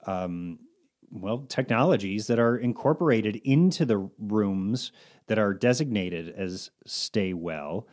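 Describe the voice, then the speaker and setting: A man co-hosting a podcast, chatting casually with lively storytelling. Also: on the low side, slow. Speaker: podcast co-host. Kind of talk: casual chat.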